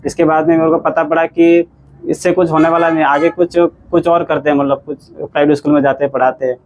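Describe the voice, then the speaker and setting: Flat-voiced young man telling a patient story. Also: on the high side, slight background noise. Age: 20s. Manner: rambling, halting, with frequent restarts. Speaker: patient giving a testimonial. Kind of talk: conversational interview storytelling.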